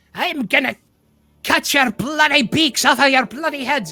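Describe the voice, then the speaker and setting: A man puts on a character voice at an extremely high pitch. He speaks at a moderate pace. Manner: angry, threatening.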